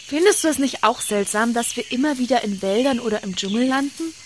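A woman's voice: on the high side, brisk, slight background noise, close to an everyday voice. A woman playing an enthusiastic professor of adventure in a children's audio drama. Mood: eager. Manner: bright, enthusiastic.

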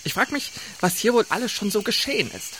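A woman's voice: medium pitch, fairly quick, slight background noise. A woman playing an imaginative, playful adventuring captain in a children's audio drama. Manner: lively, playful, storytelling.

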